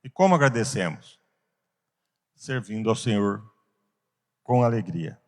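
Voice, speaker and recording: A man with a Brazilian Portuguese accent teaching a Bible class, earnest, asking rhetorical questions and pausing for emphasis. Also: on the low side, animated, a little mellow. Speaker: Sunday school teacher.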